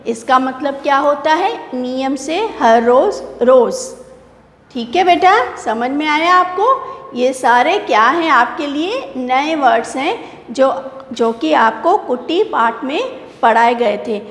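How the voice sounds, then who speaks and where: Female primary teacher, high voice, unhurried, spells words out, reverby hall sound. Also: lively intonation. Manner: slow, spells words out syllable by syllable; recites a poem line by line, repeating each line. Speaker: primary school Hindi teacher. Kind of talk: recorded online lesson for children. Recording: echoey roomy recording with long reverb.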